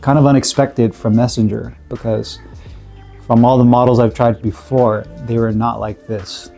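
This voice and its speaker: A man with a cold, sniffling a bit, reviewing gear in a relaxed, rambling way full of fillers and restarts. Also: mid-range voice, normal speed, gravelly, faint music behind. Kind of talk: casual product review.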